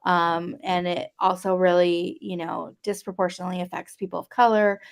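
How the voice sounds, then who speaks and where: Gravelly low-voiced woman, hesitant. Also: flat delivery, normal speed. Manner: hesitant, many fillers. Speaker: guest advocate. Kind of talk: interview answers.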